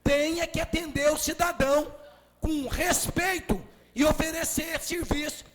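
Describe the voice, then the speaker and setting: A Brazilian city councilman with a Minas Gerais accent giving a forceful, emphatic speech in the council chamber, often raising his voice. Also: extremely high pitch, fairly even intonation, a little slow. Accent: Brazilian Portuguese, Minas Gerais. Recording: reverberant chamber with faint music.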